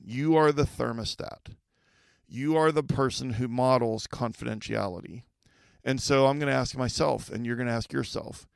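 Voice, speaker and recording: A man's voice: medium pitch, vocal fry, smooth, no echo, studio quality. A middle-aged man hosting a podcast for school leaders, talking conversationally, repeating key points and checking in with listeners. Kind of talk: solo podcast advice talk.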